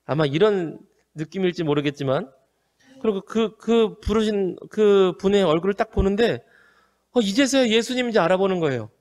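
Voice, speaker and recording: A male pastor preaching an earnest, measured sermon with frequent hesitant fillers. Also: sits high, lively intonation, darkish tone, long reverb tail. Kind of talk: home worship sermon.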